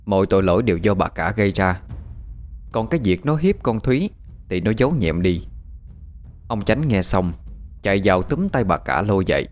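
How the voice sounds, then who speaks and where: Man, audio story narration, low voice, faint background music. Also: moderate pace, pauses often. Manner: steady, dramatic storytelling.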